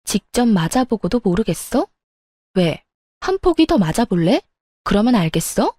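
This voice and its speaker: A woman's voice: medium pitch, big pitch swings, normal speed, no room sound, clean studio sound. A woman playing a fed-up young wife who talks back sharply to her in-laws, in a story radio drama. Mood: defiant. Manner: sharp, retorting.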